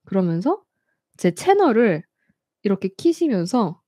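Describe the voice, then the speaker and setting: A woman's voice: medium pitch, measured pace, dry recording, studio quality. A young woman hosting a casual live stream, telling stories with frequent laughs and acting out the people she met. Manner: lively, laughs often, acts out quoted people. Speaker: YouTube host.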